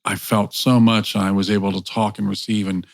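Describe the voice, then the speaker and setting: A man with a very low voice talks thoughtfully, often pausing and restarting as he looks for the right words. The sound is dry and close, with no room echo. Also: flat delivery, gravelly. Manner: thoughtful, halting, searching for words. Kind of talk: conversational podcast chat.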